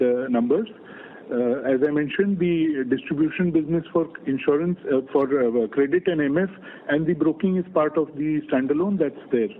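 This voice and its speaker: A male company executive explaining figures on an earnings call in a matter-of-fact but hesitant way. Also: medium pitch. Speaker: company executive answering questions. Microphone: conference phone call. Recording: narrow phone line with clear noise.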